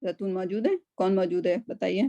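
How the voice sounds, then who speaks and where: A woman's voice: on the low side, steady tone, dark tone, dry recording, lo-fi sound. A woman teaching a Quran class over a video call, explaining patiently and often checking in with her students.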